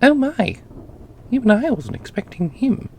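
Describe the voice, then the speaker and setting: A man's voice: very high voice, big pitch swings, unhurried, gravelly, a little hiss or hum, pitched above the performer's own voice, heavily acted. A man voicing an ancient, irreverent custodian who is blunt, teasing and evasive in a fantasy audio roleplay. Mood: astonished. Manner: blunt, playful, elusive.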